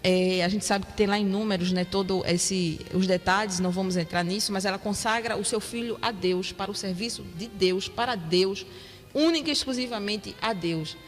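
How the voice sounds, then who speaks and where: A woman's voice: medium pitch, normal speed. A Brazilian Portuguese woman preaching a sermon in a church, reflective and repeating her points for emphasis. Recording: long hall reverb with soft music.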